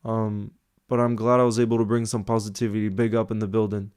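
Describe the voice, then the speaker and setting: A man's voice: fairly low pitch, level tone, fast, darkish tone, clear, resonant tone. A man hosting a casual football live stream, answering viewer comments in a chatty, thinking-aloud way with small restarts.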